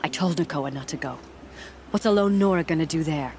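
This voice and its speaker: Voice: medium pitch, a little fast, a little mellow, a little hiss or hum, close to an everyday voice. A performer playing an embittered, grieving tribal villager in a video game, speaking earnestly and emotionally, pleading. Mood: bitter, pleading. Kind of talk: video game dialogue acting.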